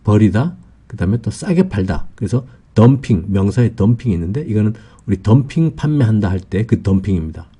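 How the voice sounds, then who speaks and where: A man with a low, husky voice teaches vocabulary at an unhurried pace. His tone is dark and mellow. He works through each word patiently, pausing on fillers as he lists its meanings. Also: sing-song. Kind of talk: explanatory lesson, unscripted.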